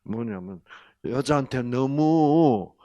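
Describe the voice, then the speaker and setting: An older man with a Gyeongsang Korean accent giving a health lecture, folksy and animated, full of rhetorical questions. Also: mid-range voice, takes it slowly, dry recording, highs cut off. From Gyeongsang region, Korea.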